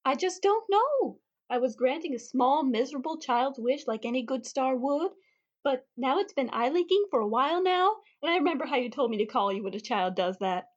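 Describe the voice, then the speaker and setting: A woman's voice: high voice, lively intonation, a little fast, highs cut off. A woman playing a naive, bubbly young wishing star with a ditzy, girlish manner in a fantasy comedy audio drama. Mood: clueless, puzzled.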